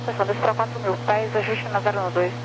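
A woman's voice: mid-range voice, steady tone, quick pace. A woman working as an air traffic controller, giving procedural instructions over aviation radio. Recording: very noisy humming radio transmission.

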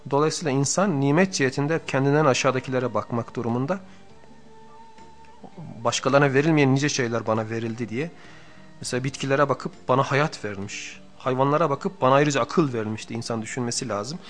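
Man giving a measured radio religious lecture. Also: mid-range voice. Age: middle-aged. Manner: measured, explanatory, repeats and lists for emphasis. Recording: radio archive with faint music.

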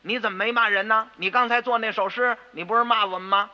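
A male storyteller voicing pompous, indignant stewards of a rich house, loud and blustering, on a dull radio recording with long reverb. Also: sits high, fairly even intonation, quick pace, voice pushed up, lightly acted.

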